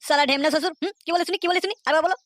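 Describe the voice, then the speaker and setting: Woman doing a mocking drunk son-in-law from a cartoon, fast, dry close sound. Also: extremely high pitch, a bit bright, dry recording. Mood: sneering. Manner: sneering, mocking. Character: lazy drunken young husband, insolent. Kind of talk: cartoon voice acting.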